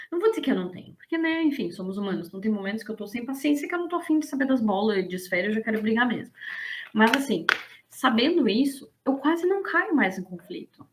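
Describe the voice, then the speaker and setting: A woman, explaining ideas in a casual, animated lesson and checking in with her listeners. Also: a little high. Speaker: business management instructor.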